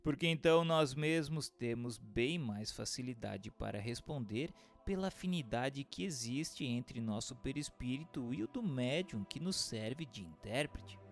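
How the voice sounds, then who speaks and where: A man reads a scripted book for radio in a formal, measured, didactic way. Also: mid-range voice, expressive, soft background music. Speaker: narrator.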